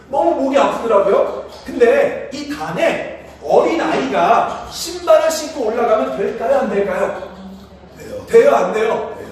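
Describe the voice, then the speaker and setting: A man preaching a sermon as pastor, quizzing the congregation, having them repeat after him, and chuckling often. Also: very high voice. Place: church sanctuary. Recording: echoey church hall from far off.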